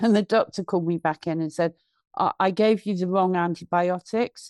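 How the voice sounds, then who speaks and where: In a normal speaking voice of medium pitch, a woman talks at a moderate pace with fairly even intonation, recorded dry and close with no echo over a quiet background. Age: 50s. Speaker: healing session client. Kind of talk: casual chat.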